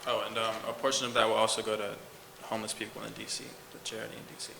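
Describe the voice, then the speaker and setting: A young man fields questions about his pitch in unscripted answers. He speaks quickly with little pitch movement, in a roomy recording with clear background noise. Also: completely flat delivery, sharp tone. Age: young adult. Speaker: student contestant answering judges' questions. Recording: roomy, echoey, clearly noisy live recording.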